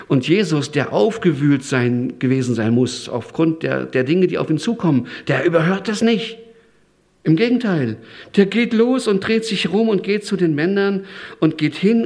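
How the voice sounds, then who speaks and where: A man delivers a sermon with an animated, emphatic manner. His voice often climbs and swells as he drives a point home, then drops back to a quieter, conversational tone. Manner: lively, emphatic, with sudden rises in pitch and loudness. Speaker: preacher.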